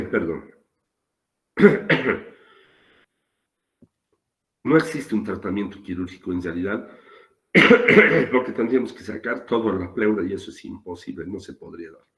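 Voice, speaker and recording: Low-voiced man lecturing with a sore throat. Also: animated, fairly bright tone. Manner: slow, repetitive explaining with pauses. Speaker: surgery lecturer. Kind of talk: online lecture. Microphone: computer mic on a video call. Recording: roomy video call audio.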